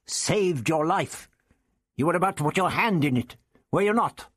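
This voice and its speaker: Man putting on a crotchety old time traveller, high raised voice, husky, lofty and dismissive, lively lilt. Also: moderate pace, dry recording, clean studio sound. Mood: testy. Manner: snorting, dismissive, lecturing.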